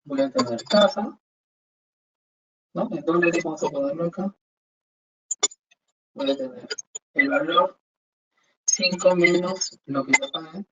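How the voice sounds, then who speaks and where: A man's voice: a little high, lively intonation, slow, pauses often. A man teaching an online accounting class, explaining step by step and asking rhetorical questions. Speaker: accounting instructor. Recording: dull distant mic with faint hiss.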